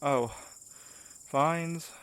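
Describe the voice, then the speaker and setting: Impatient working man, lightly high voice, blunt casual delivery, audio drama. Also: drawn-out words, a bit bright, clear, resonant tone, dry recording. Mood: shaken, weary. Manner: casual, curt talk. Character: blunt, impatient, sweary male courier under strain.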